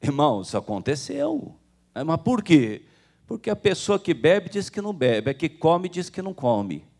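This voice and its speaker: A man's voice: normal speed, vocal fry. A man with a Brazilian Portuguese accent, preaching a sermon as pastor and acting out the people he quotes. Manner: animated, acts out quoted people with jumps in pitch.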